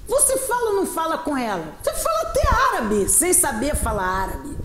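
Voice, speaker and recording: Woman, Carioca accent, high-pitched, expressive, echoey studio with faint hiss. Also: a little fast. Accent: Carioca Brazilian Portuguese. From Rio de Janeiro, Brazil. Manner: expressive, acts out quoted dialogue, laughs often. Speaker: English teacher, guest. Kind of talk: animated interview chat.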